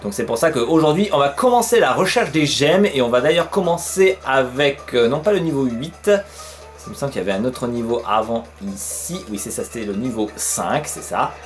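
A man's voice: mid-range voice, expressive, normal speed. A man giving casual let's play commentary, chatty and peppering his talk with fillers, swearing when surprised. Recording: faint game music behind.

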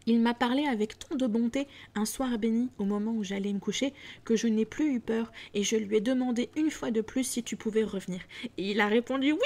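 Woman doing a high joyful little girl. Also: fairly quick. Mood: overjoyed. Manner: high bright excited speech.

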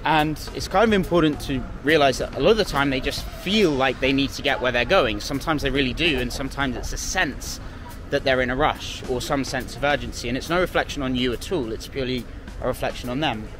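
A man's voice: mid-range voice, brisk, music in the background. A man in his twenties, a dating coach, talking casually and playfully on a busy city street. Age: 20s. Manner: relaxed, chatty and playful. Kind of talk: street approach vlog with commentary. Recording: traffic noise on a city street.

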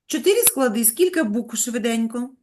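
A woman's voice: on the high side, lively intonation, normal speed, a little mellow. A woman teaching young children on a video call, patient and coaxing, praising them with pet names. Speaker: primary school teacher. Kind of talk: online lesson for young children.

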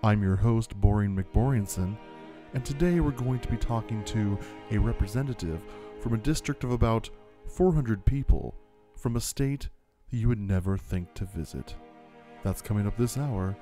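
A man playing a dull, sedate public radio host in a measured, boring manner. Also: lowish voice, lively intonation, faint music behind, voice pushed down, lightly acted. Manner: soft-spoken, measured, boring.

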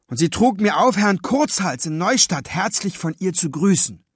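A furious, honest young boy insists and shouts, almost in tears, as a male storybook reader puts him on. The voice sits high and swings wildly in pitch. It is recorded close and completely dry. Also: very animated, moderate pace, husky, dry recording, exaggerated voice. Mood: insistent.

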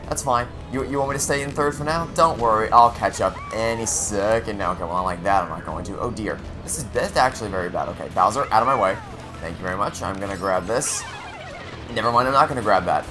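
Rambling young man, slightly raspy. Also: fairly low pitch. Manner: rambling, with frequent restarts and self-corrections. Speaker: let's play host. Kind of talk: casual gameplay commentary. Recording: game music playing underneath.

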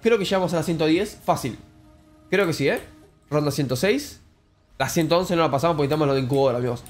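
A young man with a Rioplatense Spanish accent giving excitable Let's Play commentary, addressing viewers as friends. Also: quick pace, faint music behind. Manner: excitable, calls viewers "cracks" and "amigos", jumps high when thrilled. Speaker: gaming YouTuber.

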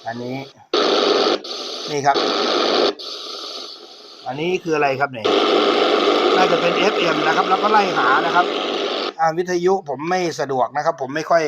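On his channel, a middle-aged man reviews an old cassette player he's selling, speaking politely and repeatedly addressing viewers. His voice is fairly high at a normal speed with frequent pauses, and heavy background noise fills the recording.

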